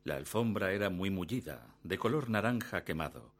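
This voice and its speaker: A stoic ex-convict lover who tells his own story in a radio drama. The voice is low with lively, dramatic inflection, and the delivery is terse, guarded and defiant. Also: normal speed. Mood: tense narration. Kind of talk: radio play narration and dialogue.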